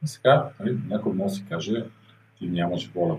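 At a moderate pace, a man's voice shows vocal fry and very wide pitch swings. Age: 30s. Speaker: fitness coach. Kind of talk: podcast interview.

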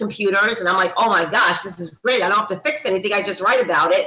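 With a New York accent, a woman speaks at a medium pitch. Noticeable background noise runs behind her. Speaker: journalist and digital magazine manager. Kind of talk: casual interview chat.

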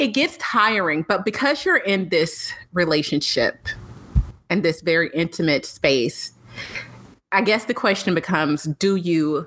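A woman with an American accent and a plain, everyday voice speaks at a fairly slow pace, using a medium pitch, lively intonation and very even loudness. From Texas, Dallas (Oak Cliff). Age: 30s. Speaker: podcast co-host, corporate professional. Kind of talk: casual chat.

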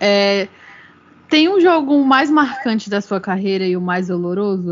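In a normal speaking voice, a woman speaks at a fairly slow pace and medium pitch with lively intonation. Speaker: podcast host. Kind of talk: interview.

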